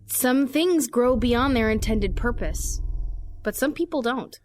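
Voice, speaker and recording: A woman's voice: a little high, animated, slow pace, a little mellow, a little hiss or hum. A woman playing an earnest young student under pressure in an audio drama, speaking emphatically. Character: pressured young female student refusing to become a teacher.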